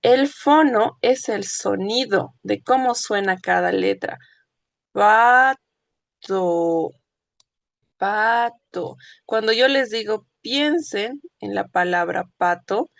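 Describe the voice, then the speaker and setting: Woman teacher, patient explainer, slow measured delivery, dry close sound. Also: mid-range voice, vocal fry, no room sound. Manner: patient, explanatory, checks understanding often. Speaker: language teacher. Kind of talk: classroom lecture.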